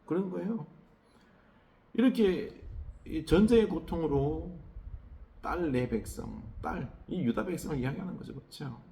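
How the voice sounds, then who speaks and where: Gravelly, lively male preacher. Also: a little high, normal speed, long pauses, slight background noise. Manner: conversational preaching with rhetorical tag questions; frequent hesitation fillers. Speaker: pastor. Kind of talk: early-morning prayer sermon.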